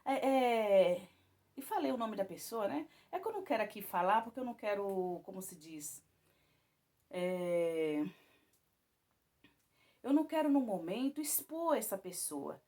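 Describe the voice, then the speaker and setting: A woman telling a personal Christian testimony to viewers in a rambling way, with many restarts and tag questions, her voice climbing high and loud when she recounts moments of alarm. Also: animated, measured pace, long pauses.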